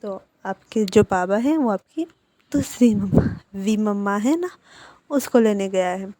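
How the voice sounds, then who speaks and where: A woman voicing a protective young man who tells the children firmly what to do and then comforts them gently. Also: medium pitch, a little slow, dry recording, close to an everyday voice. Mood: soothing. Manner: firm scolding, then gentle soothing.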